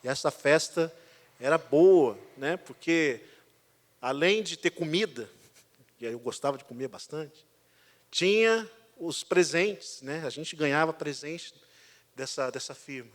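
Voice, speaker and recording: A man, a pastor, preaching a sermon as a lively storyteller, swinging between loud and quiet passages. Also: fairly high pitch, measured pace. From Brazil. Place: church sanctuary. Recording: church hall reverb.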